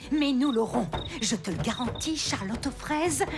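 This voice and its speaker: A woman voicing a frantic, theatrical middle-aged aunt in an animated cartoon. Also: a little high, moderate pace, heavy background noise. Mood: grimly determined. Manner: theatrical, grandiose, excitable. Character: frantic, dramatic aunt obsessed with catching a cricket. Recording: loud music underneath.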